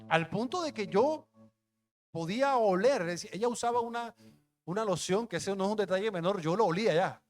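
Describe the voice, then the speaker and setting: Emotional young pastor telling a testimony. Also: male voice, high voice, expressive, a little fast, a little mellow. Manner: conversational, emotional storytelling with street slang. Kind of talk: testimony sermon.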